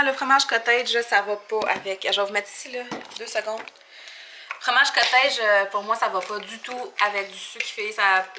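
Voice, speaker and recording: A young woman with a Québécois French accent, chatting casually in a vlog, often laughing and filling pauses. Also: medium pitch, noisy background. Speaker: vlogger.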